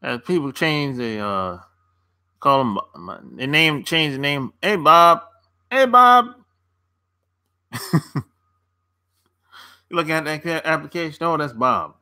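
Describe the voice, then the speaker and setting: Chill guy chatting with his viewers, slow talker, slangy, laughs a lot, voice kinda high. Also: very animated, bright, forceful tone. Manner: laid-back and slangy, laughs often between remarks. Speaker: dating coach and channel host. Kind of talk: casual livestream chat answering viewer comments.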